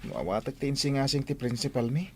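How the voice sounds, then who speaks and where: An actor playing a hesitant, troubled, dutiful young son in an Ilocano radio drama. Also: male voice, medium pitch, expressive, fast, a little hiss or hum, close to an everyday voice.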